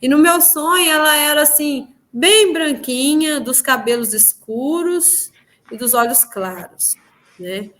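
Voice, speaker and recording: A woman telling a personal spiritual testimony in an interview, animated and acting out the dialogue she recalls, with frequent tag questions. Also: high-pitched, slow pace.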